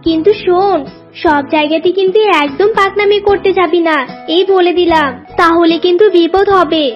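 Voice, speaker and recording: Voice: very high-pitched, steady tone, moderate pace. A performer voicing an anxious, motherly doe auntie in a children's cartoon, in slightly dull sound with music behind. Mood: fussing, scolding. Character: anxious, fussing motherly doe, aunt to a duckling.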